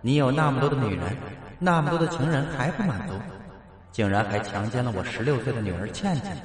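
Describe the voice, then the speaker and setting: A man's voice: mid-range voice, expressive, brisk, voice pushed up. A vengeful female ghost , put on by a man reading a ghost story, hisses her threats through clenched teeth and breaks into cackles. Heavy echo and a long reverb make her sound hollow. She sounds far off. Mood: vengeful cackling. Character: grieving, vengeful female ghost of a former housemaid. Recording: echoey reverb, distant-sounding voice.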